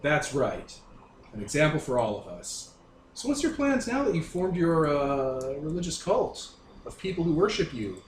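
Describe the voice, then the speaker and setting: A breezy, flattering radio interviewer, played by a man in a tabletop game chats along like an indulgent showman. The voice sits a little high, in a roomy space with faint noise. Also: normal speed. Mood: indulgent, upbeat. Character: breezy, flattering radio talk-show host interviewing young gods. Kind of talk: radio interview role-play.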